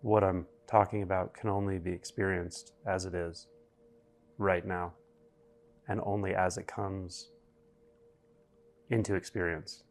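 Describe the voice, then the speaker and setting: Man, meditation guide, deep voice, level intonation, unhurried phrases with long pauses. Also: flat delivery, soft background music. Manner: slow, deliberate, with long pauses between phrases.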